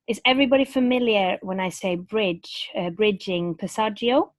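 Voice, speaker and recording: A woman's voice: mid-range voice, normal speed, dry recording. A woman with a Norwegian accent, a vocal coach teaching a webinar over a video call in a chatty way with many fillers and restarts, speaking around a bitten tongue.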